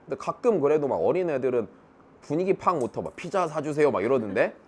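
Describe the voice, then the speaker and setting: A man's voice: mid-range voice, sing-song, fast, breathy edge. A male math teacher joking bluntly and crudely with his students in casual classroom banter.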